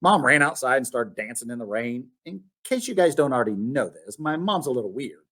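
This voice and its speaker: A man reading a children's storybook aloud as its author, expressive and with dramatic emphasis. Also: mid-range voice, brisk. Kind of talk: animated storybook read-aloud.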